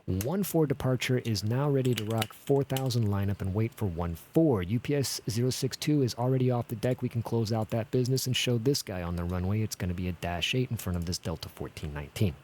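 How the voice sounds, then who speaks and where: A man with a fairly low voice gives running commentary on an air traffic control game. He thinks aloud in a casual way, mixing controller jargon with everyday talk. There is clear background noise, with typing and clicking behind him. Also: animated, a little fast, hardly any pauses, darkish tone. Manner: casual, thinking aloud, swearing now and then. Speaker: streamer playing an air traffic control simulator. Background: keyboard typing and clicks.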